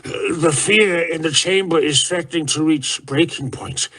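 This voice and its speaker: A man voicing a calm, grave male warrior-librarian who gives a measured warning. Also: on the high side, voice pushed up.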